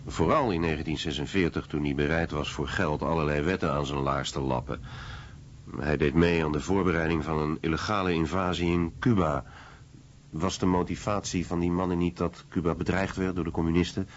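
A man with a very deep voice reads a documentary voice-over translation. The recording is slightly muffled, with faint noise behind him. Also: fairly even intonation, brisk.

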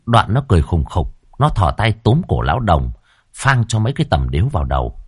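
A man narrating a ghost story in a vivid, lively way. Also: low-pitched, fairly quick, husky, no room sound. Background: faint background music.

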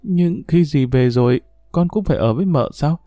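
A man tells a story in a mellow, dark voice at an even middle pitch. He reads steadily, and he lifts his pitch a little when he speaks for the characters. The sound is close and dry, with no room echo. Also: normal speed, faint music behind. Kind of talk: scripted narration of a story.

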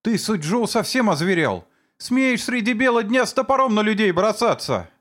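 A man's voice: high voice, very animated, moderate pace, a bit bright, voice pushed up. A man voicing a frightened, indignant mother who shrieks at an attacker. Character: frightened mother, shrill woman.

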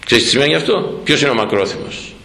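A man preaching a sermon, animated, slowing down to quote old scripture. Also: mid-range voice, gravelly, roomy sound, rough recording.

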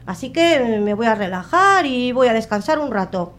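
A woman's voice: on the high side, lively intonation, moderate pace, a bit bright. A woman voicing the ghost of a young husband who pleads desperately to be heard. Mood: relieved.

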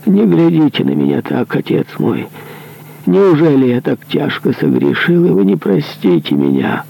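Dying executioner, man reading it, pitched well up, desperate and pleading, in a slow creaky storybook voice. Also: sing-song, warm tone, full character voice, low-quality recording. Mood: pleading confession. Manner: anguished, high-strained pleading. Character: dying male executioner, guilt-ridden and pleading.

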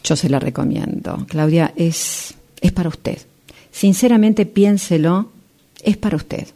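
A woman in an amateur radio play acting a smooth-talking, insistent female real estate agent, with theatrical dramatic pauses. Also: lowish voice, warm tone. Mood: mysterious, coaxing.

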